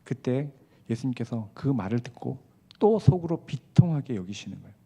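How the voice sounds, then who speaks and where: A male pastor preaching a sermon, asking the congregation questions and swinging between hushed asides and raised, emphatic passages. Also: medium pitch, expressive, normal speed.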